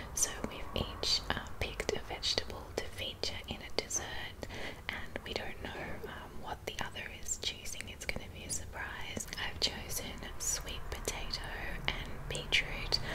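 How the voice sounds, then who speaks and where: A woman whispers. She goes at a fairly slow pace. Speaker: vegan ASMR content creator. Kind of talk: ASMR eating video intro to camera. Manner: whispered. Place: home room.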